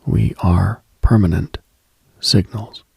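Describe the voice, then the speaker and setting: Very low and heavily fried, this man's extremely husky, breathy voice carries an intimate late-night radio reflection on spiritual themes. His tone stays steady and slow, with no echo.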